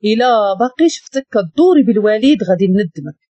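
A woman's voice: medium pitch, expressive, fairly quick, dark tone, slightly rough, no room sound, highs cut off. A woman with a Moroccan accent voicing a cold, threatening young man who interrogates harshly. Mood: menacing.

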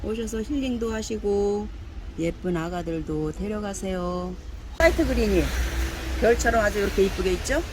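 A woman's voice: medium pitch, normal speed, noisy background. A woman who sells plants, chatting casually and fondly as she shows her stock in a plant shop and calls each plant a little child. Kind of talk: casual product showcase.

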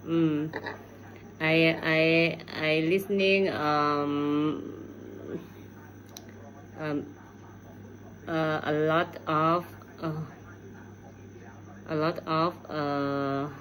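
A woman's voice: deep voice, fairly even intonation, very slow, pauses often, fairly bright tone, low-quality recording. A middle-aged woman from Thailand with a Thai accent, speaking hesitant learner's English in an unscripted video message and searching for words. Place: room at home, indoors. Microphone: phone at arm's length.

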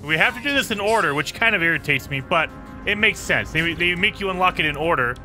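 A man hosting a gaming channel, chatting casually through gameplay, his voice a bit raspy and hoarse today. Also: high-pitched, expressive, fast talker, sharp tone, soft background music. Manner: chatty, talks to viewers while playing. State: slightly hoarse.

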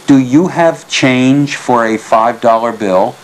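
A man reads short everyday sentences aloud in a plain, measured voice of ordinary pitch. The small lab room around him adds a clear echo. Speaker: researcher reading test sentences. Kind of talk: reading test sentences aloud. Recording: echoey room.

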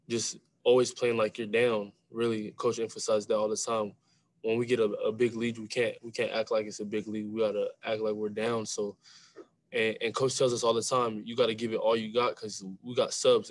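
A young man speaks quietly in a low, flat voice, answering press questions after a game. He often repeats a word or two before getting his thought out. The sound comes through a webcam on a video call from a small room. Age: young adult. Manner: soft-spoken, repeats words when starting phrases. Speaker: college basketball player. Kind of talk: postgame press conference. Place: small room with a sponsor backdrop.

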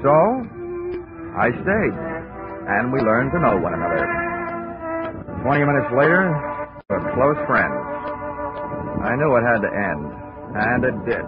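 A hardboiled investigator of old-time radio, wisecracking and dry, with a mid-pitched voice. His delivery is sardonic noir. The tinny vintage recording carries music. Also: very animated, unhurried, pauses often. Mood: wry narration. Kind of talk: 1940s radio noir acting and narration.

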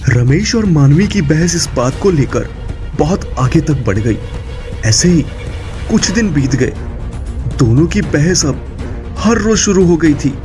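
A man narrating a cartoon moral story in an even storytelling delivery. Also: fairly high pitch, a little slow, long pauses, music in the background.

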